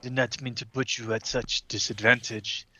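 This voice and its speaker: Dude playing a courteous investigator, formal, crisp dry sound. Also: male voice, medium pitch, level tone, normal speed, pushed and bright, dry recording, rough recording. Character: polite male investigator questioning a doctor.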